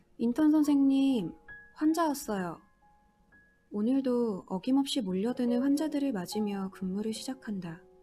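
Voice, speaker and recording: Music plays behind a woman speaking at a fairly slow pace in a high voice. Her tone is calm and soothing, her intonation lively. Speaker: company employee reading audiobook. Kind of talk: audiobook essay reading. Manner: calm, soothing.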